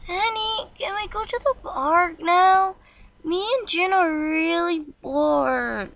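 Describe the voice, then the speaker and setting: A woman puts on a small whiny girl with a very high, bright voice. She pleads in a sing-song child's tone, bored and restless. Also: slow, creaky, no room sound, lo-fi sound, heavily acted. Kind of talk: voice audition reading.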